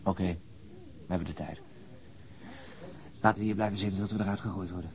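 An actor playing a calm, dryly reflective senior police detective in a naturalistic radio drama. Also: male voice, sits low, fairly quick, creaky. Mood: pondering.

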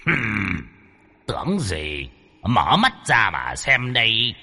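A man voicing a lecherous male ghost posing as a fairy-tale deity, squeaky and blustering. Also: big pitch swings, a little slow, bright, forceful tone, husky, big-room sound, heavily acted. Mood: smug scoff.

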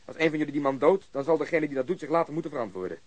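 An actor playing a blunt, impatient police officer who takes command, curt and sardonic, in a radio drama. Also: male voice, a little high, animated, rapid-fire, dry recording.

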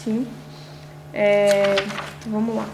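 A young woman, a student, asks interview questions in Portuguese, halting with many fillers and restarts. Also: mid-range voice, level tone, echoey room, noisy background. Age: young adult.

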